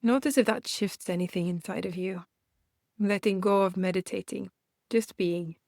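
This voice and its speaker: Leading a guided meditation, this woman speaks at an average female pitch with a creaky quality, her delivery gentle, instructional, and reassuring. Her phrases are spaced out without hurry, and the recording is very dry, with no room sound.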